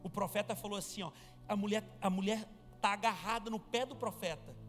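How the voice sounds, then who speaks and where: A man's voice: sits high, brisk, a bit bright. A man, a pastor, preaching a fervent live sermon and calling the church to respond. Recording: reverberant church hall with music.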